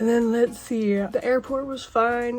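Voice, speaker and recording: A woman's somewhat breathy voice comes at a moderate pace with monotone, flat intonation. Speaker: vlogger. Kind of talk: casual vlog narration. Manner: casual, filler-heavy.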